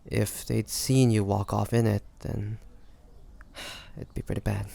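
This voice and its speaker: A man acts out a roguish pirate captain for an intimate audio roleplay. His voice sits fairly low, with a heavy gravelly creak, and he takes his time over every phrase. He is smooth-talking and teasing, yet fiercely protective of the one he addresses. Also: flat delivery, slow, mellow, exaggerated voice. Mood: concerned, urgent. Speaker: voice actor.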